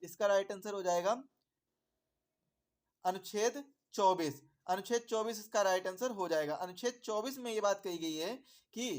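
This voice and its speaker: Man teaching exam prep, repetitive. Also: sits high. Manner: repeats points, asks then answers own questions; calls viewers "my dear brother".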